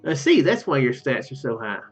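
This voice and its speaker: Man reading a sincere, unsure young hero, lively. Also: medium pitch, fairly quick, muffled recording, faint music behind, pitched below the performer's own voice, lightly acted.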